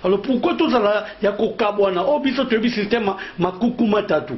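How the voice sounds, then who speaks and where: A man's voice: high-pitched, fairly quick. A man from Kongo Central in DR Congo, a guest who founded an association, explaining in earnest at length and repeating his phrases. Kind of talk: interview talk mixing French and Lingala. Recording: dull lo-fi sound.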